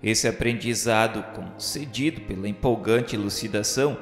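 Male narrator, Brazilian accent, solemn and literary, mid-pitched, long roomy reverb over music. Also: moderate pace. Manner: solemn, formal literary delivery. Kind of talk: scripted audio drama narration of a spiritist novel.

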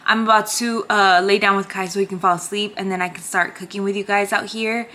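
This young adult woman from Houston, Texas, hosts a vlog from her home kitchen, chatting casually and informally while she cooks. Her mid-range voice is pushed and bright, with a steady tone and a brisk pace. It's captured on a handheld or counter-set camera.

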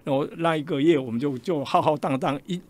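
A man's voice: a little high, quick pace. An older man with a Taiwanese Mandarin accent, a radio interview guest telling a personal story and acting out the quoted dialogue in changing voices. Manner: animated, acts out quoted dialogue with shifting voices.

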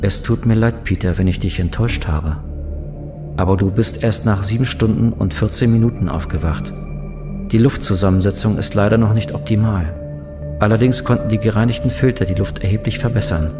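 A man acting as a spaceship's computer in a sci-fi audio drama. The voice is fairly low, calm and dispassionate. It reports in measured, formal, matter-of-fact sentences, with music clearly behind it. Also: lightly acted. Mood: calm, factual. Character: calm, dispassionate male ship computer, factual and polite.

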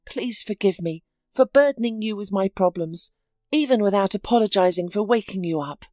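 A woman's voice: mid-range voice, lively intonation, normal speed, a little mellow, dry recording, studio quality, lightly acted. A woman reading as a shaken, anxious wife. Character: shaken, ashamed betrayed wife.

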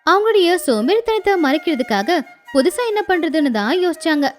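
A woman's voice: extremely high pitch, big pitch swings, a little fast, soft background music. A woman narrating a scripted children's moral story as the storyteller.

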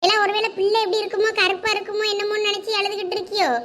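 A woman playing a very high-voiced bossy village aunt. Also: flat delivery, very fast, sharp tone. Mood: scolding. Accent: Thoothukudi Tamil. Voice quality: scolding, teasing, talkative. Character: bossy caring village woman, elder sister type. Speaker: actor in a village comedy skit. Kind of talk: village comedy skit acting.

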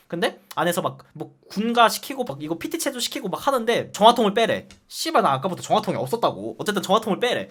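A young man tells a personal story at a quick clip, casual and loose, and curses often. His pitch moves a lot as he talks. He slips in and out of voices for the people in his story. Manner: animated, swears freely, acts out voices.

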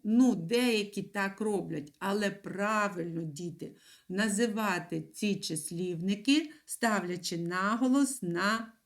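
A woman teacher giving a video lesson to young children, stressing words slowly and clearly with a sing-song lilt. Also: mid-range voice. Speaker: primary school teacher.

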